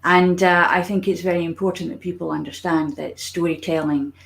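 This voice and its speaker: A woman with a Scottish accent, a guest storyteller talking about her work in a relaxed, lively video chat. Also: fairly low pitch, a little fast, creaky, a little hiss or hum. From Scotland.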